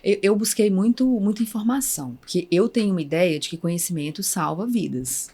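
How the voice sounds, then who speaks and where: A woman in her thirties with a Brazilian Portuguese accent, a guest psychologist telling stories in an animated, conversational way. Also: lowish voice, brisk, slightly rough. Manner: animated storytelling, acts out remembered speech. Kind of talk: casual conversational interview.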